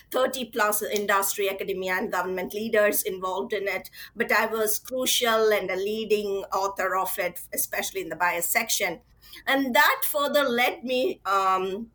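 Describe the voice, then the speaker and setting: A woman's voice: mid-range voice, pushed and bright. A woman guest speaking from a home office on a video call, explaining her expertise fluently and with assurance. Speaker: guest, author and AI ethics expert. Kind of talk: interview answers.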